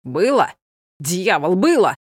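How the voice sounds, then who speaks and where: A woman's voice: low-pitched, moderate pace, dry recording, studio quality, voice pushed down, natural voice. A woman voicing a proud, stern young gypsy man who speaks coldly and curtly. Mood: angry. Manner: cold, curt and commanding.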